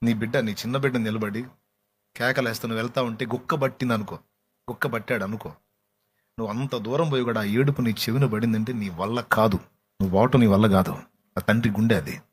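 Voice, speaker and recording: A man preaching a sermon with passion, moving between hushed, tender speech and heartfelt pleading, with a Telugu accent. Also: medium pitch, a little fast, pauses often, a little hiss or hum. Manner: impassioned preaching that breaks into song, soft and hushed at times. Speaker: pastor. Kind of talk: sermon with sung worship.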